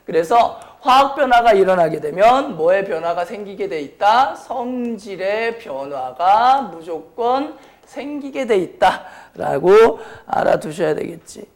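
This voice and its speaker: A man's voice: high-pitched, expressive, unhurried. A man with a strained, sore throat lecturing as a science teacher, blunt and informal, often putting questions to the class. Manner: question-and-answer delivery, repeatedly prompting students; blunt, informal speech to students. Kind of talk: high school chemistry lecture.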